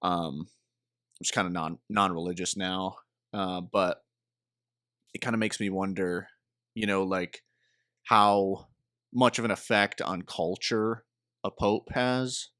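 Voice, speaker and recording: A young man with a fairly low voice chats on a podcast, thinking out loud in a loose, tentative way. The sound is dry and close on a remote call mic. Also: fairly even intonation, slow pace, long pauses, no echo. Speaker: podcast co-host. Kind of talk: casual chat.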